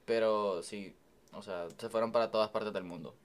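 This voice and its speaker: A man's voice: lowish voice, steady tone, moderate pace. A man in his twenties with a Salvadoran accent, a student talking easily and reflectively as a podcast guest. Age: 20s. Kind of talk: casual podcast conversation.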